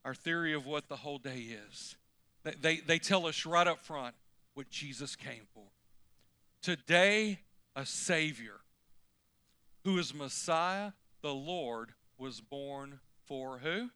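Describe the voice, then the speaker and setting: A male pastor preaching a folksy, animated sermon, often climbing suddenly to loud emphasis. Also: a little high, takes it slowly, smooth, dry recording.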